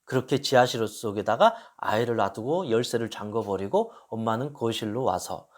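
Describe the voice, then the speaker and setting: Man, counselor, storytelling lecture, explanatory, lively pitch. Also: normal speed. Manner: explanatory, acts out quoted voices. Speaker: counselor and lecturer on inner healing.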